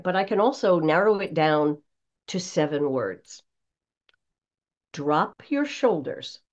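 Low-voiced woman coach on muffled audio. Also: darkish tone. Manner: instructive, emphatic, deliberate phrasing. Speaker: voice coach, podcast guest. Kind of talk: explanatory interview talk with practical tips.

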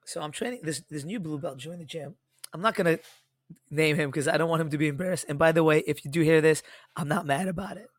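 A middle-aged man co-hosting a podcast, telling stories in a casual, animated way and acting out the dialogue he quotes. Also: on the high side, quick pace, no echo, studio quality. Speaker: podcast co-host.

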